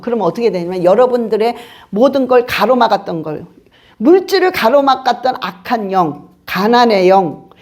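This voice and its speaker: A woman pastor preaching a sermon in an animated, colloquial way, acting out voices as she goes. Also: on the high side. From Korea. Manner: animated, colloquial, acts out voices of spirits and doubters.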